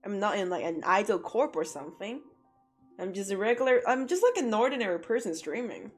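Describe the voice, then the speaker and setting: Young female art streamer, self-deprecating and rambly, slightly sore throat, soft music under her talk. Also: medium pitch, expressive, brisk. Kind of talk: casual stream chat while drawing. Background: faint music.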